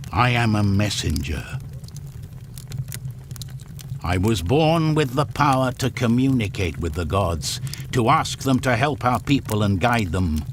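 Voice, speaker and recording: A man voicing a solemn, reassuring tribal shaman who teaches in an unhurried manner, in a video game story. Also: lowish voice, background noise. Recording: music under the voice.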